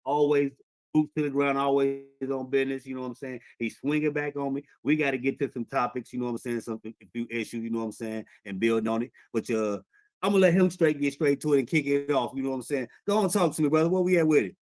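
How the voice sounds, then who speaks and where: Man, host, laid-back, slang fillers, mid pitch, dry audio. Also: fast, a little mellow, dry recording. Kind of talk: casual interview talk.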